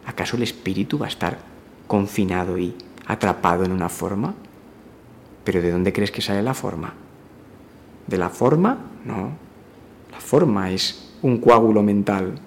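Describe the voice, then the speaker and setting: A man giving a calm spiritual talk, repeating affirmations in a slow, steady way. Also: lowish voice, creaky, slight background noise. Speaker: spiritual teacher.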